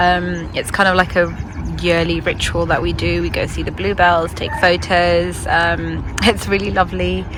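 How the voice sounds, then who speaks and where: A woman with a British accent talks at a moderate pace, with audible room echo and noticeable background noise. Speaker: planner vlogger. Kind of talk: casual vlog tutorial. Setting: outdoors at kayaking centre.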